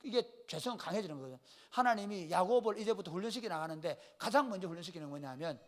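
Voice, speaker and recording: Lively high-voiced pastor with a Gyeongsang accent. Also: male voice, rapid-fire. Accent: Gyeongsang Korean. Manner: lively storytelling, calls on listeners by name; colloquial, jokes with the congregation. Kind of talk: sermon.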